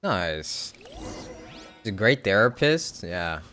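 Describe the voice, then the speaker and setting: A man's voice: sits low, very animated, slow pace, bright, forceful tone, faint music behind. A man live-streaming a game, chatting casually and bluntly, rambling and correcting himself as he reacts.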